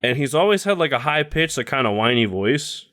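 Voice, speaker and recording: A man's voice: medium pitch, big pitch swings, a little fast, fairly bright tone. Blunt, casual young man. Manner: blunt, heavy use of "like", swears freely. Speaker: podcast co-host. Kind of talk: casual chat, opinionated music review.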